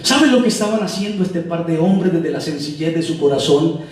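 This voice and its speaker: A man preaching a storytelling sermon, from Colombia, dramatic, moving between loud bursts and hushed slow lines. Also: on the high side. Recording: very echoey hall, mic far off.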